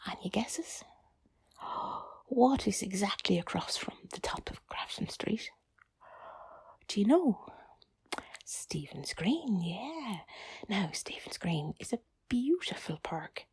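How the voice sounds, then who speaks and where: Whispering Irish woman, breathy whispered role-play. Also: medium pitch, big pitch swings, slow, long pauses, darkish tone, no echo. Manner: rambling, chatty, addresses listener as companion. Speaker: tour guide narrator. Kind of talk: intimate whispered ASMR walking-tour role-play.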